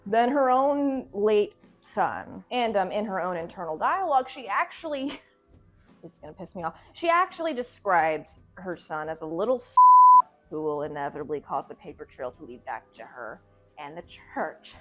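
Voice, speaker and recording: A woman with a fairly low voice hosts a video essay at normal speed, animated and joking. Her casual commentary is sarcastic, irreverent and profane, with a theatrical streak, and background music plays.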